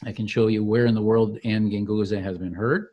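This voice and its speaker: Relaxed man walking through software. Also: on the low side, highs cut off. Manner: relaxed, explanatory, slows to show steps. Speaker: software founder giving a demo. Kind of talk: walkthrough of an online tool.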